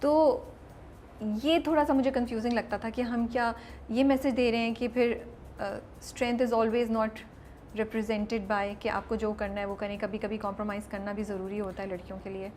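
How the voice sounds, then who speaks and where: A woman's voice: fairly high pitch, fairly even intonation, normal speed, darkish tone, a little hiss or hum. A woman hosting an interview, chatty and switching often between Urdu and English. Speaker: interviewer, magazine host. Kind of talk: casual interview chat.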